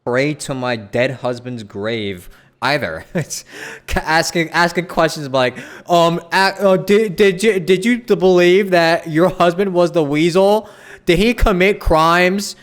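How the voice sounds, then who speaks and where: A man's voice: fairly high pitch, measured pace. A man giving casual, rambling live commentary as he streams a game. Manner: rambling, offhand. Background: faint game music.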